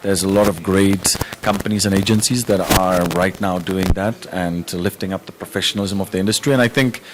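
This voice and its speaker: A man from the Czech Republic, a music manager, answering interview questions in a relaxed, thoughtful way with frequent fillers. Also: sits low, a little fast, noisy background.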